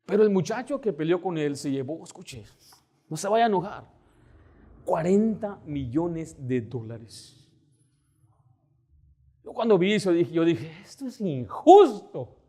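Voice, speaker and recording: A pastor preaches in a high voice for a man. He talks like a conversation, animated, and slips into voices for the people in his stories. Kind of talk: Baptist sermon.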